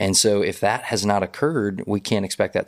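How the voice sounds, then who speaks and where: A man with an American accent talks in a normal speaking voice at a fairly low pitch. His pace is fairly quick, and the sound is dry and close, with no echo. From Montana. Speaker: pastor. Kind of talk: casual chat.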